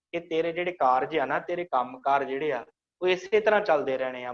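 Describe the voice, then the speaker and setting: A man teaching an online scripture class, explaining slowly and repeating phrases to guide pronunciation. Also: a little high, dull audio.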